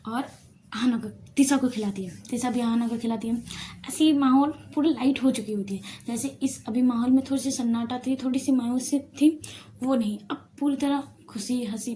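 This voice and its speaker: A woman's voice: on the high side, normal speed, dark tone, a little hiss or hum. A woman narrating a romance story in a casual, emphatic, repetitive way.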